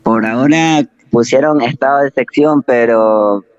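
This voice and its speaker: A man with an Ecuadorian accent calling in to a radio show, speaking plainly and haltingly with fillers. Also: medium pitch, clean tone, no echo. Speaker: caller. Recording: dull, dry phone line.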